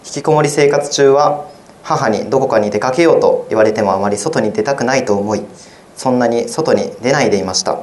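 A teenage high school boy reading his own essay aloud in a plain, even-paced way for a radio broadcast. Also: brisk. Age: teens. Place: radio studio.

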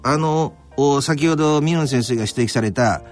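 A man's voice: mid-range voice, moderate pace, soft background music. A man from Kanto hosting a radio talk show, telling stories with many fillers in a studio. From Kanto, Japan. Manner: animated storytelling with many fillers. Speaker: radio interviewer.

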